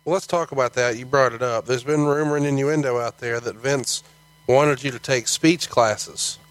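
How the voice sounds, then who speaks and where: A man's voice: mid-range voice, normal speed, fairly bright tone, low-quality recording. A man hosting a podcast, asking probing follow-up questions in a conversational way. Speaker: podcast host, interviewer.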